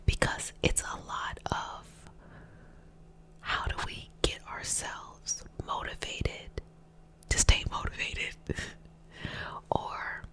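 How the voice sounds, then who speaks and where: A woman speaking in a breathy, unvoiced whisper, giving gentle, encouraging ASMR talk as a host and energy healer.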